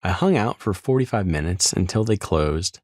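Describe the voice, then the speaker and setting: A man's voice: low voice, expressive, moderate pace, darkish tone, no room sound, studio quality. An American man reading his own first-person travel audiobook in an informal, colloquial way.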